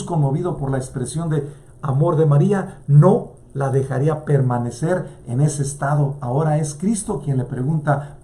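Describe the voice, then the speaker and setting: A man's voice: on the high side, warm tone. A male priest preaching a sermon with passion, his voice rising and dropping as he quotes scripture. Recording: echoey room.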